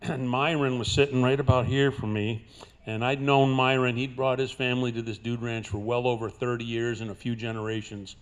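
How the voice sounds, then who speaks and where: An older man with a folksy cowboy twang, performing as a cowboy poet for a live audience, with drawn-out dramatic phrasing. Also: mid-range voice, level tone, clear, resonant tone, rough recording. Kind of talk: live cowboy poetry recital with folksy banter. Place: live before an audience at a senior center.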